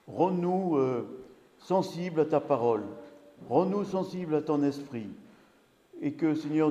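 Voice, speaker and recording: A man leading an earnest, measured prayer in a church service. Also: mid-range voice, dark tone. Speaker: church leader praying. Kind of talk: spoken prayer. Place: church hall. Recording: muffled church hall reverb.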